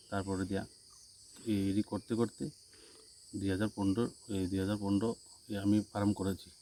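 Pitched fairly low, a man speaks with a dark, mellow tone in monotone, flat intonation. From South Tripura, India (Sabroom). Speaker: farmer. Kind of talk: interview.

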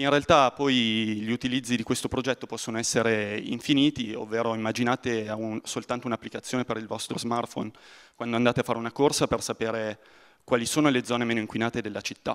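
A man talks at a very fast pace. His intonation stays flat and monotone. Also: quiet background. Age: 20s. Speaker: presenter. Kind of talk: pitch presentation. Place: hall. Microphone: handheld.

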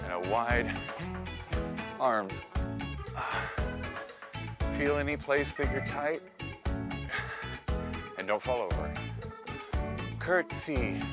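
Over music in the background, a man speaks at a very slow pace with long, frequent pauses, the sound dry with no echo. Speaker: fitness instructor. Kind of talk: workout instruction. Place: home room. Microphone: lapel.

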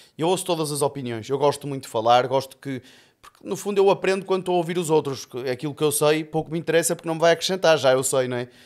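A man talks at a very fast pace in a fairly high pitch, with ordinary pitch variation and a quiet background. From Portugal. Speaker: reality show winner; podcast guest. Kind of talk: casual interview chat. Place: studio. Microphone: studio mic.

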